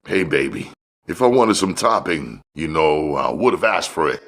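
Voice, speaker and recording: Man playing a cool, gravelly street dealer. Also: a bass voice, expressive, normal speed, a bit bright, pitched above the performer's own voice, exaggerated voice. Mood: cocky. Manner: slangy, self-assured. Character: cool, cocky young male street dealer.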